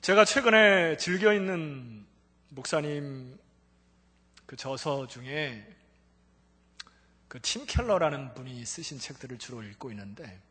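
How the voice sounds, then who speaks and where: A male pastor preaching a sermon to his congregation, fervent and building up to loud, emphatic peaks. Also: medium pitch, lively intonation, a little slow, pauses often, slightly rough. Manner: fervent, rising to near-shouting peaks. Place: church sanctuary. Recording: long church hall reverb.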